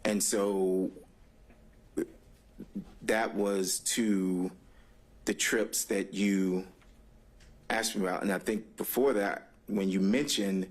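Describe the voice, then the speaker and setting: A man testifying as a witness in court, speaking formally in a guarded, hesitant and deliberate way. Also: sits low, steady tone.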